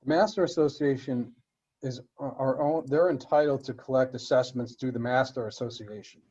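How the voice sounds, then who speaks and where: A man answering board questions in a webinar, explaining legal steps in a measured way with frequent fillers and restarts. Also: mid-range voice, darkish tone, slightly rough, highs cut off. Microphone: web conference audio.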